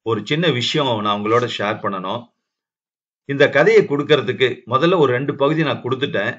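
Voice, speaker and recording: A man narrating a family novel in measured storytelling, then chatting directly with listeners. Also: medium pitch, a bit bright. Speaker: audiobook narrator. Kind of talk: reading a family novel aloud. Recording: dull lo-fi recording.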